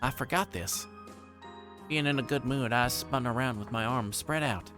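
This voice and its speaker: A man's voice: medium pitch, normal speed, bright, forceful tone, faint music behind, natural voice. A man voicing a carefree, chirpy young woman from a visual novel, chattering to herself in a lilting manner. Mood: cheerful.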